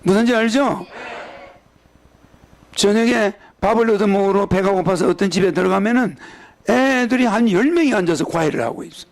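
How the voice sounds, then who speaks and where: An older man with a Gyeongsang accent delivers a rambling sermon. His voice sits high and carries a gravelly rasp. He keeps checking in with his listeners through quick rhetorical questions. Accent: Gyeongsang Korean. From Gyeongsang region, South Korea. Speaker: religious leader.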